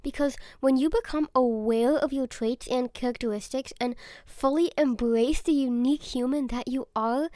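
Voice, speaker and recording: A young woman with a high voice hosts her own podcast, slightly raspy and nasal from a cold. She speaks earnestly and personally, recorded close and dry with no room sound. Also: moderate pace, few pauses, a little mellow, no room sound. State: sore throat and stuffy nose. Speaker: podcast host. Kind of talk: solo podcast monologue.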